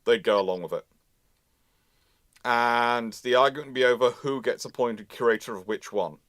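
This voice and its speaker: A man's voice: mid-range voice, moderate pace, fairly bright tone, no echo, studio quality. A man hosting a casual panel discussion and answering questions, often repeating and restarting his phrases. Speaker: host of a naval history live Q&A.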